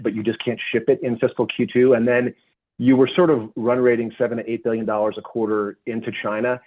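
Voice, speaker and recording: Fast-talking man on muffled call line. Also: lowish voice. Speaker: analyst asking questions. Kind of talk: earnings call question. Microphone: conference call line. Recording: muffled lo-fi conference phone line.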